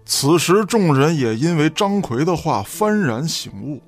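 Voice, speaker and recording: Lively male radio drama narrator. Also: a little high, a little slow, soft background music.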